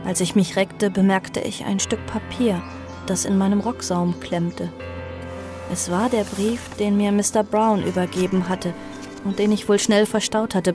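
A well-bred young woman, timid and sombre, played by an actress in a horror radio play. Her voice is medium in pitch and polite, with loud music behind it. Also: natural voice. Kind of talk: horror audio drama acting and narration.

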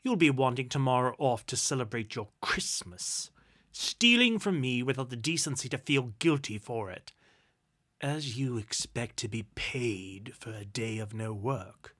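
A man's voice: mid-range voice, expressive, measured pace, fairly bright tone. A man voicing a stern, grumpy, miserly Duke from a storybook, pompous and cutting in manner. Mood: cold, dismissive.

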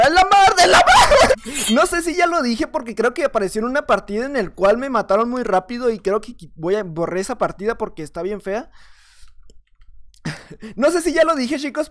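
A woman giving excitable, laughing Minecraft gameplay commentary, her voice slightly hoarse from just waking up. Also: a little high. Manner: excitable, laughing, teasing other players. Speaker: gaming YouTuber.

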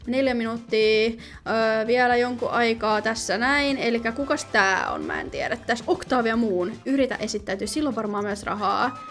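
A young woman commenting casually on her gameplay, chatty and excitable, often pleading and reading out game options. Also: on the high side, gravelly, faint music behind. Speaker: gaming video host.

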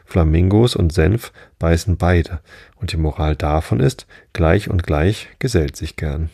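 A self-satisfied duchess who turns every remark into a moral, read by a man in a deep voice. She comes across as gravelly and dark-toned. The delivery is preachy and storybook-like. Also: unhurried, no room sound, clean studio sound, heavily acted. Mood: smug. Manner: preachy, spins out tangled morals. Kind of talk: storybook reading.

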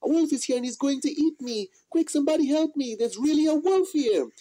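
A puppeteer voicing a mischievous, excitable young shepherd boy with exaggerated delivery in an amateur puppet show. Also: sits high, brisk, poor audio. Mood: panicked. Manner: exaggerated, yelping when alarmed. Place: small indoor room, behind puppet curtain.

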